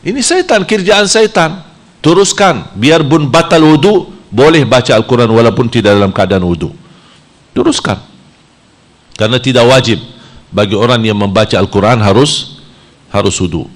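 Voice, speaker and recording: A man from Saudi Arabia, preaching a sermon in a lively style whose pitch jumps high when he plays out temptations. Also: moderate pace, long pauses.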